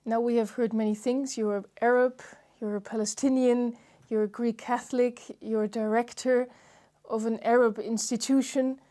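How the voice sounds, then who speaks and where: A woman host speaks in a measured, formal way, first reading a scripted introduction and then putting questions to her guest. Her voice sits a little high and sounds mellow and warm. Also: level tone.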